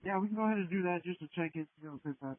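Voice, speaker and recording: A man's voice: high-pitched, racing, no room sound. A man working as a firefighter, giving clipped, procedural commands and reports over a two-way radio. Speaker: firefighter on an incident radio channel. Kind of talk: terse emergency radio traffic. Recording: dull, band-limited two-way radio.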